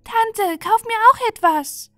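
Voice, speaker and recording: A woman's voice: very high-pitched, takes it slowly, soft background music, voice pushed up. A woman voicing an eager little girl who pleads in a childlike way, in a storybook reading. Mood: pleading.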